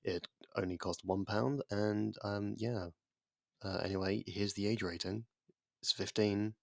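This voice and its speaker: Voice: deep voice, steady tone, unhurried, vocal fry, a little mellow, no room sound, studio quality. A content creator giving a casual channel intro in an offhand, slightly hesitant way.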